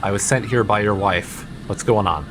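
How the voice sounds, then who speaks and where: A man's voice: fairly low pitch, normal speed, background noise. A man hosting a let's play, reading dialogue aloud and joking around in a rambling, self-interrupting way. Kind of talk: casual game commentary and reading dialogue.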